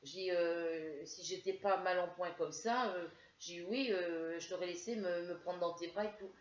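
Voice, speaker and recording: Feeling unwell with a headache, this Frenchwoman rambles through a story for her crafts channel, hesitating often as she talks to camera. Her voice is fairly low and fairly even, her pace moderate, and the home recording sounds roomy, dull and lo-fi.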